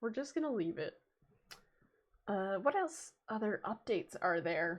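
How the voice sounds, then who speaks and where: Using a Canadian accent, a woman speaks at a fairly slow pace with a fairly high pitch that swings very widely. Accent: Canadian, slightly stronger than usual. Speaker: gaming streamer. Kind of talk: casual chat. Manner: loud.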